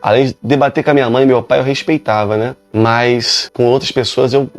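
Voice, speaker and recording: A man's voice: medium pitch, fairly even intonation, a little fast, soft background music. A male pastor, telling his own conversion story emphatically and with many repetitions. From Rio de Janeiro, Brazil. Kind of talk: preaching a personal testimony.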